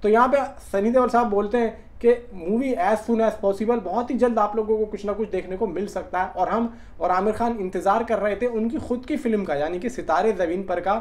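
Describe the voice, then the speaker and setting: A man's voice: high-pitched, normal speed, hardly any pauses, darkish tone. A man giving casual film news commentary, talking colloquially and directly to fans like a chatty YouTube host. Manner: colloquial, chatty, addresses viewers as brother.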